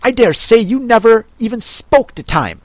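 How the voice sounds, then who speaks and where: A man voicing a fussy, contrary hatter who grumbles and talks down to others in quick bursts. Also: very high-pitched, animated, no room sound, pitched above the performer's own voice. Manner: grumbling, contemptuous, quick talker.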